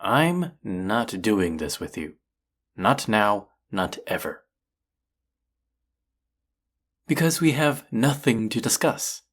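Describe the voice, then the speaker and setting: A man's voice: fairly low pitch, sing-song, takes it slowly, a bit bright, full character voice. A man playing a proud, combative restaurant chef in an audio roleplay, indignant, condescending and sarcastic as he argues. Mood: angry, defensive. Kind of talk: audio roleplay acting, one-sided dialogue.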